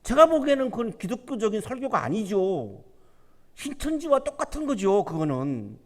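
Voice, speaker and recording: A male pastor delivers a lively Sunday sermon in a fairly high voice, asking his listeners rhetorical questions and acting out the speakers in the passage. His voice carries a long reverb from the church sanctuary. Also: moderate pace. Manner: animated preaching, acts out quoted voices; asks the congregation rhetorical questions.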